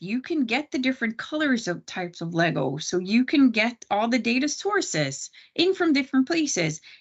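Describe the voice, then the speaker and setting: Vocal fry runs through this woman's voice as her pitch moves in very wide swings. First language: not English. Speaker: tech user group speaker. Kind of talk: technical presentation. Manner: animated.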